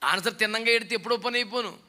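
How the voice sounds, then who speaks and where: Male pastor, fiery sermon delivery, high pitched, piercing edge, scolds and mocks, mimics others. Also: racing, bright, forceful tone. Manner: scolding, mocking, fiery preaching with rhetorical questions; mimics people he quotes.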